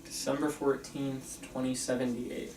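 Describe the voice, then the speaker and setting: A man's voice: medium pitch, level tone, unhurried, darkish tone, close to an everyday voice. A man reading a confused, agitated patient trapped in an egg-like machine at a table read, questioning and indignant. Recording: roomy, distant, noisy room pickup.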